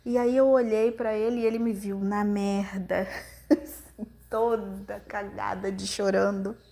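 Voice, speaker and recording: Gravelly-voiced Brazilian woman telling a personal story. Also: medium pitch, level tone, warm tone. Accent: Brazilian Portuguese. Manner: intimate, reflective, with many pauses. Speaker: podcast host.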